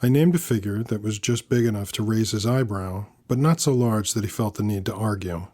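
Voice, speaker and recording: A man narrating a scripted first-person story in a measured, dry, wry manner. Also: on the low side, dark tone.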